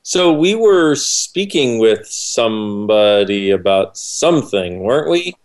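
A man's voice: fairly low pitch, big pitch swings, takes it slowly. A man co-hosting a casual chat show, speaking informally and with enthusiasm. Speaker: co-host.

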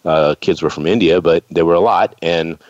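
A man's voice: deep voice, steady tone, normal speed, a little mellow, dry recording. A man in his fifties, from the United States, hosting an interview in a chatty, rambling way. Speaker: show host. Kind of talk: casual interview chat. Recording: dull lo-fi sound.

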